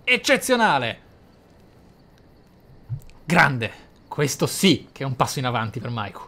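A man giving casual, excitable playthrough commentary, often thinking aloud. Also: mid-range voice, measured pace. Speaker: gaming channel host. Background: game music.

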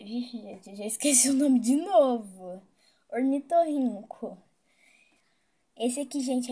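A woman's voice: high-pitched, warm tone. A woman with a Brazilian Portuguese accent, chatting casually to viewers while role-playing in a game. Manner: chatty, keeps addressing viewers. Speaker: game vlogger.

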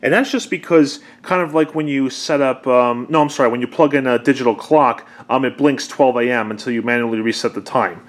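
A man's voice: medium pitch, brisk, few pauses. A man talking casually and unscripted, explaining a product step by step in a conversational way. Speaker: presenter demonstrating an old answering machine.

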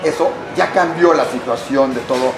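A man's voice: medium pitch, moderate pace. A middle-aged man, interviewing an author and chiming in often. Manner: interjects often with short agreements. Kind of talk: interview, casual questions. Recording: roomy, noisy background ambience.

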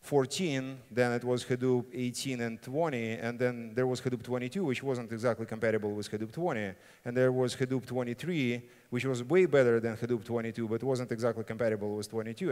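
A middle-aged man who speaks English as a second language presents at a tech conference. His voice sits at an average male pitch, and his delivery is informal and blunt, with frequent tag questions. The long reverb of a large hall surrounds him. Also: fairly even intonation, a little fast, few pauses, darkish tone. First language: not English. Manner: blunt, informal, often tagging sentences with "right?". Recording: reverberant hall sound system.

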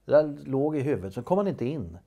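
A man's voice: mid-range voice, big pitch swings, dark tone. En man, skådespelare, som berättar avslappnat i en intervju, tvekande med många utfyllnadsljud och omstarter. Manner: hesitant, many fillers and restarts. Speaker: interview guest, actor. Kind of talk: casual storytelling interview.

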